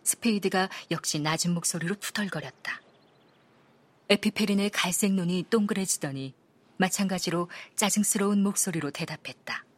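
A woman reads a detective novel aloud as an audiobook narrator, calm and even. Her voice is a little low and slightly husky. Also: moderate pace.

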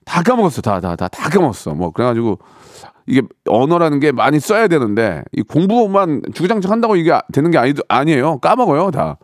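A slightly high, sing-song voice moves fairly quickly as this middle-aged man hosts a radio talk show, recorded dry and clean on a studio mic. He's chatty and joking, repeating himself, reading listeners' messages, and dropping into mock voices and little songs.

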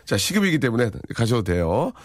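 A man in his forties hosts a radio show, chatting playfully as he reads listener messages aloud. His mid-pitched voice swings widely up and down as he jokes, and the sound is dry and close to the mic. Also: very animated, fairly quick, no room sound. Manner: playful, jokey, acts out voices and shouts. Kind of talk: casual radio chat reading listener messages.

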